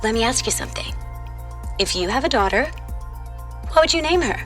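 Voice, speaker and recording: A woman's voice: a little high, expressive, fairly quick, soft background music, lightly acted. A woman playing a sassy, world-wise fifteen-year-old girl from the future in an audio drama, with casual, sarcastic phrasing. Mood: confident, teasing. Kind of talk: audio fiction drama acting.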